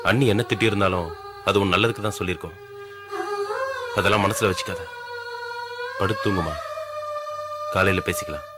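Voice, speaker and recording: An actor playing a gentle, protective village brother with a rural Tamil Nadu accent in naturalistic film drama. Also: male voice, low voice, steady tone, fairly quick, pauses often, lightly acted. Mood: soothing. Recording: loud music under film dialogue.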